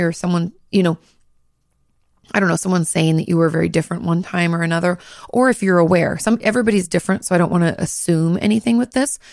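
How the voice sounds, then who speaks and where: Slightly hoarse woman with gravelly fry. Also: fairly low pitch, a little mellow, no room sound, clean studio sound. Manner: chatty, hedging with likes and restarts. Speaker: podcast host, therapist. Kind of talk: casual solo podcast.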